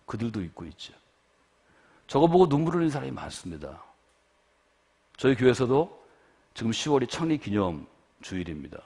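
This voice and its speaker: A middle-aged man preaching at a revival meeting, his pitch rising and falling through a wide, animated range. He moves between quiet, low asides and loud, fervent exhortation. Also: fairly quick, creaky, long pauses, breathy edge. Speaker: guest pastor. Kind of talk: revival sermon.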